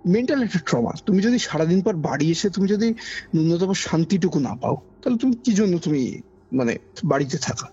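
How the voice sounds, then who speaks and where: Here a male podcast guest with a Kolkata Bengali accent recounts a spooky personal encounter, his voice high, husky and gravelly, expressive, fairly quick and dark in tone. He leans on repetition to heighten the drama of his conversational ghost story. The recording is dull and lo-fi, set under background music.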